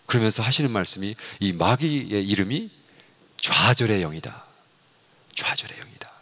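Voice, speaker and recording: This middle-aged missionary and pastor delivers a sermon in lively storytelling form, performing dialogue and sometimes raising his voice to a shout. He speaks at normal speed with a voice on the low side.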